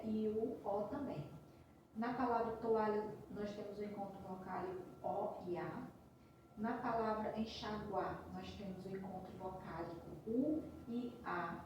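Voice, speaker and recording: A woman's voice: medium pitch, noisy background. A woman teacher giving a patient recorded review lesson, explaining step by step and checking in with frequent tags. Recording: roomy echo from a distance.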